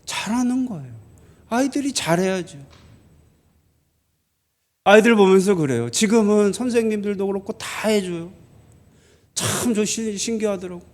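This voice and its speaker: Guy pastor giving a sermon in church, pretty high voice, keeps asking the congregation stuff. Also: lively intonation, normal speed, pauses often, a little mellow. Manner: conversational preaching, asks the congregation questions. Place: church sanctuary.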